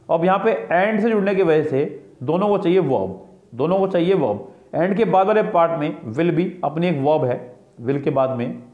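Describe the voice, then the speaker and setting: This English teacher's voice is fairly high and a little mellow. Teaching grammar for an exam, he explains every answer step by step, echoing both his questions and his answers. The audio is lo-fi, with a dull, roomy quality.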